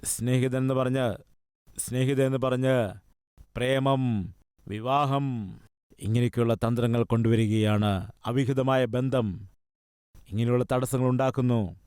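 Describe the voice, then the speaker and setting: A man's voice: medium pitch, fairly even intonation, a little slow, pauses often, darkish tone, clean tone, dry recording, studio quality. A man preaching a sermon, putting one question after another to his listeners and appealing to them earnestly.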